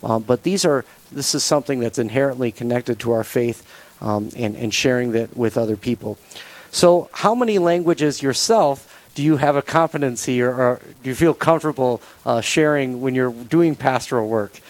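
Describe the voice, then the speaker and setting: A man hosting a Catholic radio interview, talking in a measured, thoughtful way with frequent pauses and fillers. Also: mid-range voice, low-quality recording. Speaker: radio show host.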